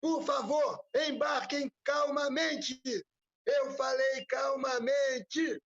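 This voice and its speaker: Man playing a high, loud train station announcer, mock loudspeaker call, formal and drawn out, muffled lo-fi call audio. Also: steady tone, drawn-out words, exaggerated voice. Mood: announcing.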